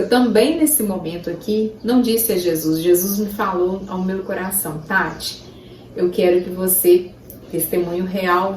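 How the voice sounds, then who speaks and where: A woman's voice: medium pitch, darkish tone, slight background noise. A woman giving an earnest, emotional gospel reflection that rises to emphatic bursts. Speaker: Christian speaker. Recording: roomy sound from a distance.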